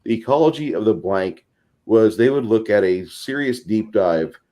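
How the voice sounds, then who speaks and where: A man's voice: on the low side, lively intonation, normal speed, dark tone. A man in a casual panel discussion, explaining at length in wordy, slightly formal phrasing. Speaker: tabletop gaming discussion panelist.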